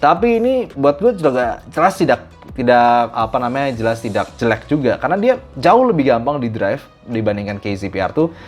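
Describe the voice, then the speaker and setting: A man from Indonesia giving a casual, animated spoken review of audio gear, mixing in English phrases. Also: medium pitch, brisk, faint music behind.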